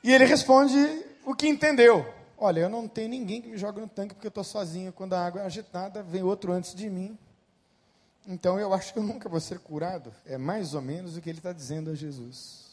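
A middle-aged man from Brazil, a pastor preaching a sermon that swings between loud emphatic peaks and quiet storytelling. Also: high voice, quick pace.

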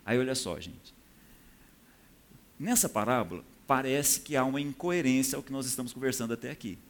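A man's voice: mid-range voice, animated, fairly quick. A man preaching a sermon. He teaches from scripture in a conversational way and often checks in with his listeners.

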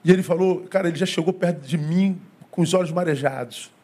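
A pastor with a Brazilian Portuguese accent preaches a sermon in a warm, fairly high-pitched male voice, moving fairly quickly. He tells a story, acting out the dialogue and repeating phrases a lot.

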